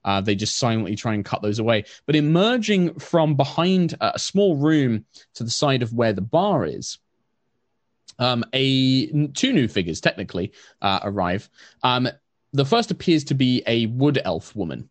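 A man narrating a tabletop game as game master, describing scenes in an unhurried way with frequent fillers. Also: medium pitch, sing-song, no echo.

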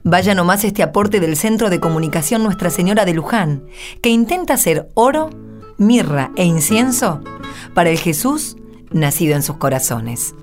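A woman's voice: fairly low pitch, lively intonation, normal speed. A woman reading scripted narration for a radio drama. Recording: soft guitar music behind. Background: acoustic guitar music.

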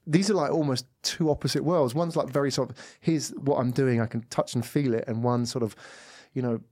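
A man hosts an interview podcast, talking in loose, rambling questions. His voice sits at a middle pitch. The studio sound is dry and close. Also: steady tone, brisk, a little mellow, no room sound. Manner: chatty, rambling questions with frequent "mm" backchannels. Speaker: podcast host.

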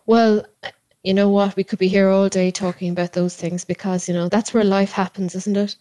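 A woman's voice: mid-range voice, little pitch movement, moderate pace, mellow, no room sound. A woman with an Irish accent from Cork, a podcast guest talking with enthusiasm and often repeating words as she gathers her thoughts. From Ireland. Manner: enthusiastic, repeats words while searching for phrasing. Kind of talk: conversational interview. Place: home.

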